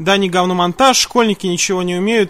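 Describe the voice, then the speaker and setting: Very fast speech comes from a man. His pitch is high. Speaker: podcast host. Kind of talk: casual chat.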